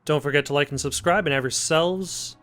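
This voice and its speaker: A man with a voice a little higher than most hosts a gameplay video. He comments casually and hesitantly, thinking out loud. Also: a little fast, faint music behind. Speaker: gameplay host.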